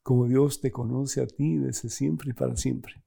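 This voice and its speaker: A middle-aged priest preaches in a deep, mellow voice with a gravelly edge. He answers viewers' questions animatedly, leaping up in pitch when he acts out scripture. He chuckles now and then between his points. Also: fairly even intonation, a little slow. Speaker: priest and program host.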